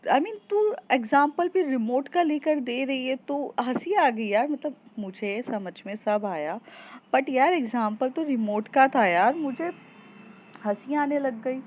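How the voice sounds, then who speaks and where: Woman doing a teenage girl student, teasing, excited, raised pitch, loud, slightly muffled recording. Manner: excited, laughing, bantering.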